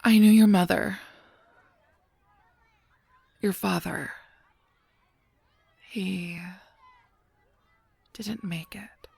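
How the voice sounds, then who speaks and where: A woman playing a gentle, guarded guardian angel in a scripted audio roleplay, speaking softly and breathily in a measured, halting, solemn way. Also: mid-range voice, steady tone, dry recording, exaggerated voice. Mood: grave, careful. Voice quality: soft, breathy, often near a whisper.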